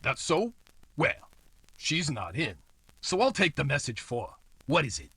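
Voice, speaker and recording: A man's voice: on the high side, sing-song, a little slow, sharp tone, breathy edge, dry recording, exaggerated voice. An actor playing a nosy, slimy apartment house manager who wheedles in tough-guy slang, in old-time radio noir style. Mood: prying, falsely friendly.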